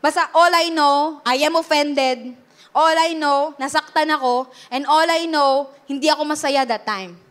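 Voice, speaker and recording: A woman's voice: sits high, unhurried, fairly bright tone. A Filipino woman pastor preaching a sermon earnestly, switching between Tagalog and English and checking in with the congregation.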